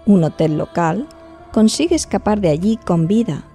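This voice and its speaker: A woman's voice: medium pitch, expressive, normal speed, warm tone, faint music behind, close to an everyday voice. A woman with a Spain accent playing a studious, confident investigator who explains things articulately in an audio drama. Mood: serious, explanatory. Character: studious, serious female investigator, confident and helpful. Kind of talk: Spanish-language audio drama dialogue.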